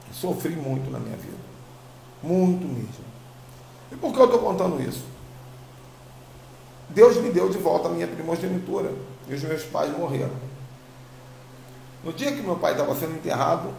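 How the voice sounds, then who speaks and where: A Brazilian man shares a spiritual testimony in an informal, emphatic way, circling back over his phrases. His voice sits a little high for a man, with a gravelly creak and a slight tongue-tie. It is recorded in an echoey room with faint noise behind him. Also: lively intonation, normal speed, pauses often, warm tone. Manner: informal, emphatic storytelling with repetition. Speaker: apostle, religious teacher. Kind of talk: personal spiritual testimony to online followers. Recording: roomy echo, faint background noise.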